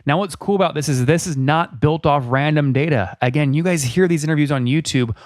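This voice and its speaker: Brisk, pushy male host, dry sound. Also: medium pitch, no echo. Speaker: podcast host. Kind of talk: fast sales pitch and interview questions.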